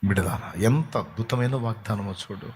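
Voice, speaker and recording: A man preaching a sermon with passion, repeating phrases and swinging between loud declarations and hushed words. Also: on the low side, moderate pace. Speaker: pastor. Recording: long reverb with faint background noise.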